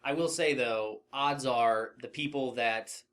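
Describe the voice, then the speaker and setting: A man with a bright, crisp-edged voice co-hosts a casual podcast. His pitch sits in the middle of the male range. He speaks informally and likes to chime in. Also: steady tone, a little slow. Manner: informal, interjecting. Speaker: podcast co-host.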